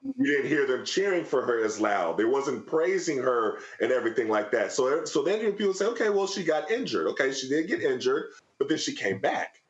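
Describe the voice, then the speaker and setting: A man's voice: mid-range voice, sing-song, normal speed. Easygoing man in a roomy, muffled sound. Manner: easygoing, laughs along, agreeable. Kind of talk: conversational commentary.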